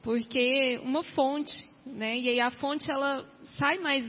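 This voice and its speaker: A woman's voice: high-pitched, steady tone, slow, husky. A woman from the congregation sharing her reflection on the sermon, hesitant and full of tag questions. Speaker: congregation member. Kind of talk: sharing a reflection at a church meeting. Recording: dull, reverberant hall recording.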